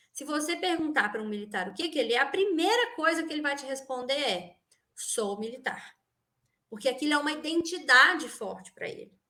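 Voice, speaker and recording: Speaking in a Minas Gerais accent at a fairly quick pace, a woman raises and projects her high-pitched voice with a bright, sharp tone. Her pitch swings very widely and her loudness shifts a lot. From Minas Gerais, Brazil. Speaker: researcher and professor. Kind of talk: interview.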